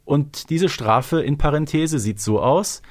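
A man's voice: a little high, slow pace. A man co-hosting a casual fan discussion, chatty and often seeking agreement with tag questions. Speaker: podcast co-host.

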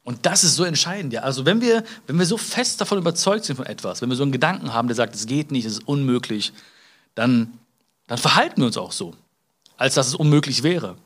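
A man from Germany hosts a casual self-help podcast, talking straight to the listener in an ordinary mid-range voice that's fairly bright and slightly rough. He's animated and quick, often hesitating and restarting, filling gaps with small sounds and tag questions.

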